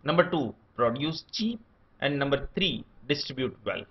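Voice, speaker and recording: Man lecturing with lively pitch. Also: normal speed. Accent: Indian. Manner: steady enumerating delivery, lists points one by one. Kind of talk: scripted academic lecture. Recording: dull lo-fi recording.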